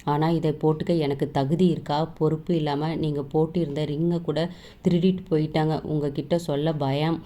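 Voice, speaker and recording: A woman's voice: low voice, flat delivery, moderate pace, warm tone, natural voice. A woman storyteller voicing a shy, emotional young wife who pleads and frets. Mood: tearful.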